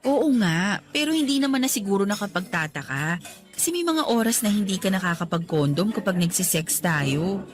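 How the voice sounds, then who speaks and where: A woman's voice: medium pitch, animated, brisk, faint music behind, natural voice. A woman with a Filipino accent acting as a loving, teasing and direct young girlfriend in a radio romance drama. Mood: disappointed.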